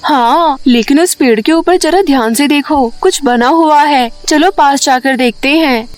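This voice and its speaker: A woman's voice: high voice, a little slow, a little hiss or hum. A woman voicing an eager, greedy village girl in plain storybook dialogue for a cartoon.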